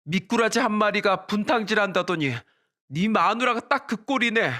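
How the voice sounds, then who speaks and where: A man's voice: high voice, moderate pace. A man voicing an angry husband and eldest son who confronts his mother in a storybook drama. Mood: furious. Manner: shouting, indignant.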